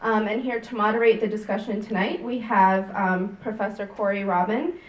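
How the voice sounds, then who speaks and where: A woman's voice: mid-range voice, fairly even intonation, moderate pace, highs cut off. Young woman, student event host, hesitant; distant podium mic in an echoey room. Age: young adult. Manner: hesitant, many um fillers. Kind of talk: introducing a panel. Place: large lecture room at a podium. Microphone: podium mic, far camera.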